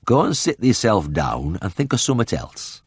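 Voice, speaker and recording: A man voicing a slow-drawling old Yorkshire farmer with an unhurried, lazy manner. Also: on the low side, sing-song, breathy edge, dry recording, exaggerated voice. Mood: laconic.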